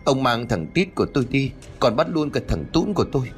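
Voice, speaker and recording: A frantic old grandmother pleading in a high, rushing voice, as a male storyteller puts her on. She cries out in anguish, her words tumbling fast and climbing in pitch. It sounds like an audio storybook with faint music under it. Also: sing-song, natural voice. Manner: wailing, pleading.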